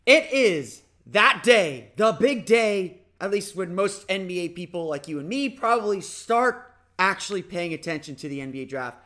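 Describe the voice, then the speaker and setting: A man hosting a casual sports podcast, talking energetically with a slightly raspy voice and frequent restarts. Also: sits high, moderate pace. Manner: energetic, rambling with restarts and fillers. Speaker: podcast host.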